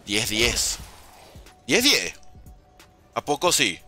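Young man, joking streamer, very bright voice, faint music behind. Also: mid-range voice, wildly swooping pitch, extremely slow. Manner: joking, reads out viewer questions and replies. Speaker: gaming streamer. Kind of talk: casual live-stream chat while playing. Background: faint background music.

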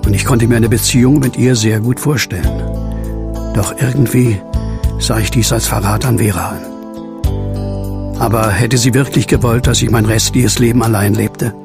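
An actor plays a brooding man telling his own horror tale in a radio play. His middle-pitched voice has a gravelly creak. He is earnest and measured, with music running underneath. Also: fairly even intonation, lightly acted. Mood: wistful, reflective. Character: brooding widowed man haunted by a werewolf. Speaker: narrator and lead character. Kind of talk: German audio drama acting, first-person narration.

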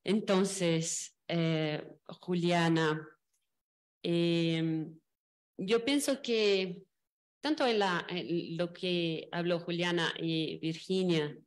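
Slow-speaking Brazilian woman mixing Spanish and Portuguese. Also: on the low side. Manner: Spanish mixed with Portuguese words, halting. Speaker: panel speaker, commentator. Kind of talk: semi-spontaneous panel remarks. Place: auditorium panel table. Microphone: gooseneck table microphone.

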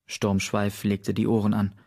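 A man reading an audiobook aloud in steady storytelling narration. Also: on the low side, measured pace, gravelly, slightly rough. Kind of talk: scripted narration.

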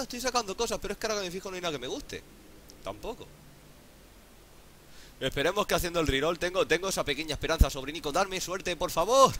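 A man with a Spain Spanish accent doing casual gameplay commentary, excitable, swearing often and pleading out loud. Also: on the high side, a little hiss or hum. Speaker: gaming YouTuber.

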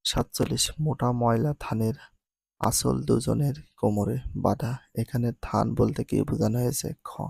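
A man's voice: medium pitch, steady tone, gravelly, darkish tone, breathy edge, dry recording. A man reading out multiple-choice questions and answers as a teacher, repeating each answer plainly. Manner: reads each answer twice, slowly and plainly.

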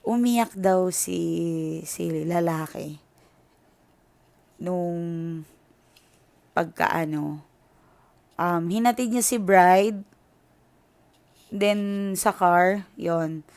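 A woman's voice: on the low side, very slow, gravelly, pauses often, a little mellow. A young Filipino woman telling a story to her viewers in an emotional, chatty way, switching between Tagalog and English. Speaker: tarot reader.

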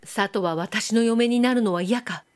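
A woman's voice: a little high, measured pace, natural voice. Woman reading as an earnest young samurai. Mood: earnest, firm. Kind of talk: audiobook reading.

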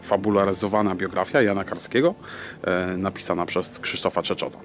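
A man in his thirties hosting a casual vlog to camera, haltingly searching for words. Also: low voice, steady tone, over music. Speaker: vlog host. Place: dim cinema auditorium. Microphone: camera at arm's length.

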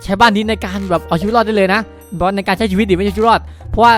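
A man hosting and improvising Minecraft roleplay in an excitable, chatty way, often repeating himself. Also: high voice, very fast, faint music behind. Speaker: YouTube gaming host and roleplay lead.

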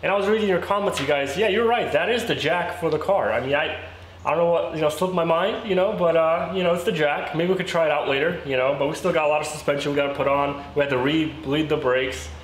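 A man's voice: on the high side, quick pace. A man in his thirties chatting casually to viewers as a vlog host, with informal, colloquial phrasing, recorded in a garage. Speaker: car rebuild vlog host. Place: garage workshop, indoors. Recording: roomy echo, faint background noise.

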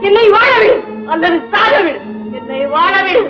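An actress playing a learned, devout young princess in a 1960s film, speaking in formal literary speech. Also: female voice, high voice, normal speed, natural voice. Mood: anguished. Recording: dull old film soundtrack with music.

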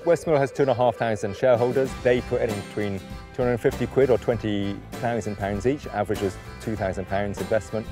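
A man's voice: fairly low pitch, steady tone, brisk, mellow. A man speaking plainly about his wind farm co-op in a documentary interview. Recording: music bed underneath.

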